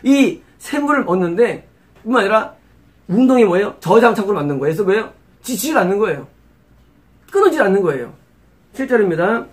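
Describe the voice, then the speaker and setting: A man's voice: high-pitched, sing-song, fast, pauses often. A middle-aged man preaching an expository sermon as pastor, often asking his own rhetorical questions and repeating key phrases. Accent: Korean-accented English words.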